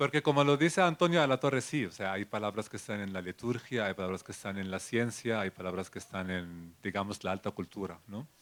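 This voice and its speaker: This man talks at a fairly quick clip with an Arabic accent, fairly low pitch and lively intonation, hardly pausing. The recording is very clean and dry, close with no echo, against a silent background. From Palestine. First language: Arabic (speaking Spanish). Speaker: translator. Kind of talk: panel discussion.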